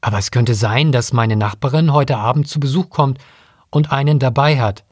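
A man's voice: mid-range voice, normal speed, no room sound, studio quality, lightly acted. A man playing a mild, shy adult man who talks in a hesitant way.

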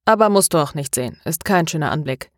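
Lady reading as a slick worldly middle-aged guy, careful words, low voice, dry. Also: animated, fast talker, no room sound. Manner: smooth, worldly, careful phrasing. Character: middle-aged man, polished and cautious.

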